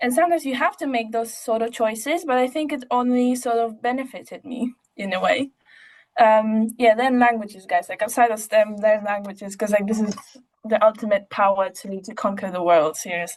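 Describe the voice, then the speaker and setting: The speaker has a Polish accent and moves at a fairly quick pace with ordinary pitch variation. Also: woman, fairly high pitch for a woman. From Poland, Torun. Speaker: university student and astrobiology outreach lead. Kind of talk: interview.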